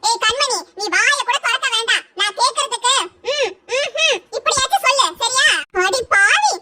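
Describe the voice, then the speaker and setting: A woman's voice: very high-pitched, lively intonation, normal speed. A woman voicing a blunt, sarcastic young woman who taunts her relatives. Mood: taunting. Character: sharp-tongued young woman, cousin Aishu. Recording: loud background noise.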